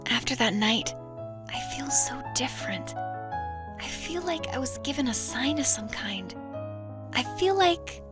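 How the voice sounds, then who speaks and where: A woman's voice: high voice, animated, a little slow, over loud music. An actress playing a troubled, wistful young female student in an audio drama, earnest and hesitant. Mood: wondering. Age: young adult.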